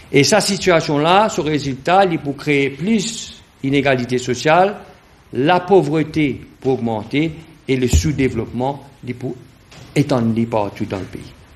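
With light noise in the background, a man speaks very slowly in a fairly high voice, pausing long and often yet keeping his intonation lively. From Mauritius. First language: Mauritian Creole (speaking French). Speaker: politician; party spokesman. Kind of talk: press statement. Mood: earnest, concerned. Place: meeting room. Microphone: podium.

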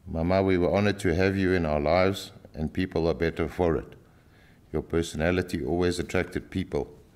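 A man's very deep, low voice at a fairly quick pace, with very even loudness and fairly even intonation. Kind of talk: eulogy reading. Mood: solemn, grieving. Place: church. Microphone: podium.

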